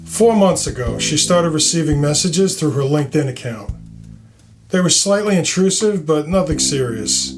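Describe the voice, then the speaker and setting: Man acting a higher-voiced wisecracking New York detective. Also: expressive, moderate pace, music in the background, lightly acted. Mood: concerned. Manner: smartass, blunt. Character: middle-aged wisecracking male New York police detective. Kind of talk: audio fiction character dialogue.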